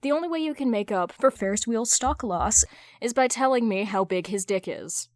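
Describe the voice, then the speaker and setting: A woman voicing a sharp, judgmental businesswoman with a blunt, sarcastic, deadpan delivery in an audio fan-fiction drama. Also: a little high, moderate pace, dry recording, natural voice. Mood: deadpan demanding.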